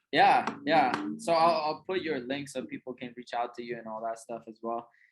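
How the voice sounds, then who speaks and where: A man speaks with a non-native accent at a moderate pace. The background is quiet. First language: not English. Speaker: self-development coach. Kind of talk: casual interview.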